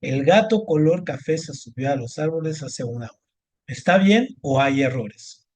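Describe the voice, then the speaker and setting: A man's voice: on the high side, lively intonation, moderate pace, darkish tone. A man teaching a spelling lesson online, patient and encouraging, with many fillers as he corrects a student. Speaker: Spanish teacher. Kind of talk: online tutoring lesson over screen share.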